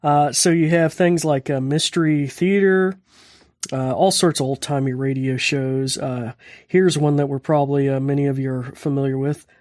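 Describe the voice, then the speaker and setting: A man's voice: medium pitch, fairly even intonation, moderate pace, darkish tone, no echo, studio quality. An American man hosting a podcast, giving a casual tutorial and calling out voice commands. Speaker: podcast host and instructor.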